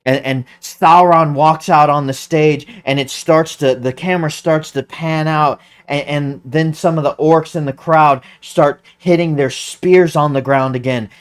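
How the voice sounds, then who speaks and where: An online commentator giving excited, casual commentary, stumbling over and restarting words, and humming tunes aloud. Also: mid-range voice, measured pace, hardly any pauses. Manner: animated, hums music aloud.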